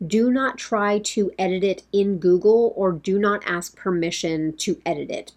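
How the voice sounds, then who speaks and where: Casting: woman, 30s, lower pitch, a bit hoarse, chatty rambling vlogger at her desk. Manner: rambling, talks with her hands. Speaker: beauty vlogger. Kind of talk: casual chatty talk to camera. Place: home makeup room, indoors.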